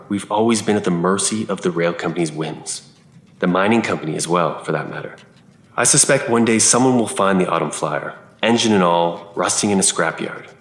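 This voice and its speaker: A cryptic old-fashioned man of the church, grave and unhurried. His voice is very low and solemn, ringing in an echoey room, in the manner of an audio drama. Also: a bit bright. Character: grave, cryptic churchman guarding a dead woman's remains. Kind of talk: scripted audio drama dialogue.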